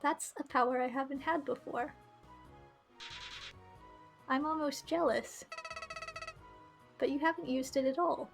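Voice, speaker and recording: High-voiced, mock-sweet villain flower voiced by a woman. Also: fairly even intonation, unhurried, gravelly, pauses often. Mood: taunting. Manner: mock-friendly, needling. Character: small male talking flower, falsely sweet, taunting villain. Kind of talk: visual novel character read aloud. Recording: music behind the voice.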